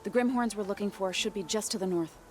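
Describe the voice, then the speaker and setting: An actress playing an earnest, gentle, devout young tribal woman in a video game cutscene. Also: medium pitch, quick pace, a little hiss or hum, close to an everyday voice. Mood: hopeful.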